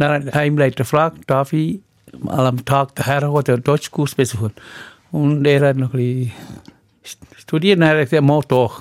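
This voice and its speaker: A man with a Tamil accent speaks with ordinary pitch variation. He leaves long, frequent pauses. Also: fairly high pitch for a man, moderate pace, dry, close sound with no echo. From Sri Lanka. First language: Tamil (speaking German). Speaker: retiring care worker. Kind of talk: radio interview. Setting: studio. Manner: halting.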